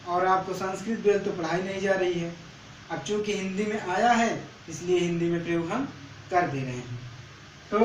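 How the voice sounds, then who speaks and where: A male teacher giving a Braille lesson. He asks the pupils each question and then repeats the question and its answer. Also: high voice. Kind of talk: classroom lesson. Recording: echoey room, mic at a distance, faint hiss.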